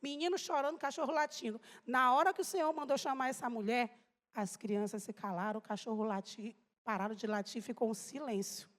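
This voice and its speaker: A woman's voice: a little high, brisk. A woman preacher telling an emotional testimony to a congregation, speaking to them directly. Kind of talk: sermon testimony. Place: church hall. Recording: reverberant church hall.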